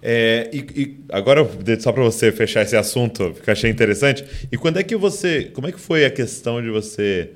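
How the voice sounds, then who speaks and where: A man's voice: medium pitch, animated, a little fast, few pauses. A man hosting a podcast interview, asking questions and backing up his guest with short affirmations. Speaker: podcast host.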